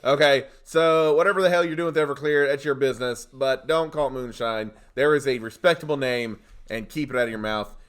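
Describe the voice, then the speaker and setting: A man's voice: medium pitch, a little fast, hardly any pauses, a bit bright, clear, resonant tone. A man co-hosting a comedy advice podcast, ranting emphatically in short, mock-indignant declarations. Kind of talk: comic advice banter, storytelling rants.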